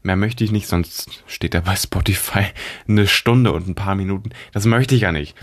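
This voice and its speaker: A young man with a low-pitched voice and a congested nose talks alone as a podcast host. He rambles from thought to thought in loose, informal speech sprinkled with slang. His nose sounds stuffed up as he chats. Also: moderate pace. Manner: informal German youth slang with English words. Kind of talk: rambling solo podcast chat.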